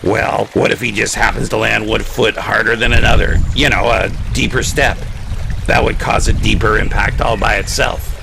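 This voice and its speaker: Man playing a very gravelly, folksy sheriff. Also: on the low side, fairly even intonation, moderate pace. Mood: questioning. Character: folksy, cooperative male county sheriff. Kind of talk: audio drama acting. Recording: noisy ambience behind audio drama dialogue.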